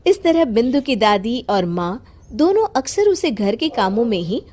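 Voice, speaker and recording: A woman narrating a cartoon story in a lilting, storybook way. Her voice is slightly high and moves about lively in pitch. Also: normal speed.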